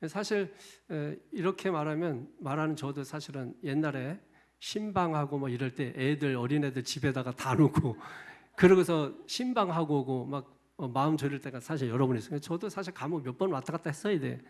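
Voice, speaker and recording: A middle-aged male pastor preaching a sermon, emphatic, firing off repeated rhetorical questions with loud stresses on key words. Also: on the high side, a little fast. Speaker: senior pastor.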